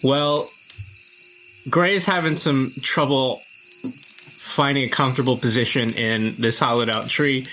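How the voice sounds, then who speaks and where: A man with a middling pitch narrates his role-playing character in the third person. He improvises with a dry, wry touch, over faint noise and night insects. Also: fairly even intonation, unhurried, long pauses, pushed and bright, rough recording. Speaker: tabletop game player.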